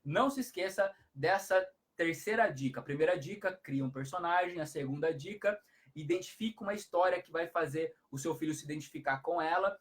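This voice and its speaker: A man's voice: on the high side, fairly quick. Man giving parenting tips. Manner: explanatory, repetitive, frequent tag questions. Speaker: hypnotherapist. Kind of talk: live-stream parenting advice talk.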